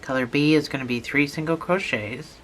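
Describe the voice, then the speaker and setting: Bright, patient tutorial voice with a cold. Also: mid-range voice, brisk. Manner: patient, repetitive instructions. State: has a cold, losing voice. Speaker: instructor. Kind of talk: step-by-step tutorial narration.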